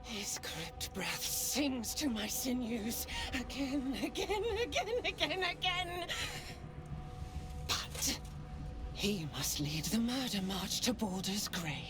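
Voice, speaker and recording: An actress playing an unhinged, sadistic cultist assassin in a video game, theatrically savouring each word. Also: female voice, on the high side, very animated, slow, over music. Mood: manic menace. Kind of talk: video game villain acting.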